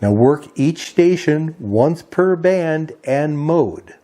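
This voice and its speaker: A man's voice: a little high, animated, takes it slowly, warm tone. A man hosting a hobby radio video, giving an informational briefing in a methodical, itemizing way. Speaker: host of a ham radio video channel.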